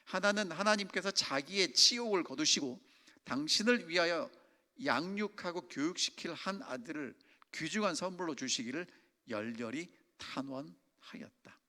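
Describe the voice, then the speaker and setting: A man's voice: on the high side, expressive, normal speed, bright, forceful tone. A man preaching a sermon as senior pastor, speaking emphatically and putting questions to his congregation. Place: church sanctuary. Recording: long church reverb.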